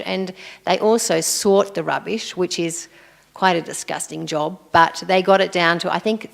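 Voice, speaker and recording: A female councillor giving an unhurried, conversational report at a council meeting. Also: low voice, vocal fry. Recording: long hall reverb.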